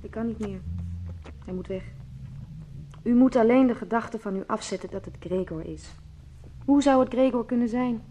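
An actress playing an exhausted, resolute young sister in a radio drama, speaking insistently and with emphasis. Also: female voice, on the high side, moderate pace, long pauses, warm tone, slight background noise, natural voice. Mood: desperate, resolute. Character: exhausted, resolute young sister turning against her brother.

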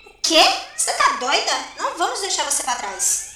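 A woman playing an excitable, loyal little-sister soldier in an audio drama, emotional and animated. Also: extremely high pitch, moderate pace, far from the mic, heavily acted. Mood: alarmed. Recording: echoey, off mic, faint noise.

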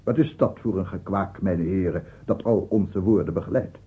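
A man's voice: low-pitched, normal speed, slight background noise, lightly acted. An actor playing an aggrieved, unstable scientist in his sixties, pedantic and insistent, in a radio play monologue. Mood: pedantic, defensive. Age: 60s. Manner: pedantic, insistent, repeats himself. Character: aggrieved, unstable 67-year-old bachelor scientist, self-justifying and obsessive. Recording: muffled, phone-like old radio recording.

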